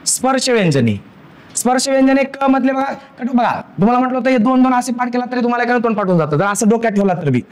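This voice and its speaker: A male teacher with a Marathi accent leads a grammar lesson in a strikingly high voice. He quizzes the class and answers his own questions, then sounds out letters slowly one after another. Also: expressive. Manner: drills by asking questions and answering them himself.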